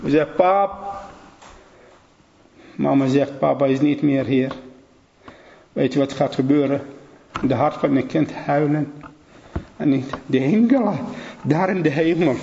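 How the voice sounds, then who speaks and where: A man preaching a sermon with passion. He swings from low, earnest talk to high, ringing exclamations and uses simple phrasing with repeated short phrases. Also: measured pace, creaky, pauses often, mellow. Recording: dull lo-fi recording with faint noise.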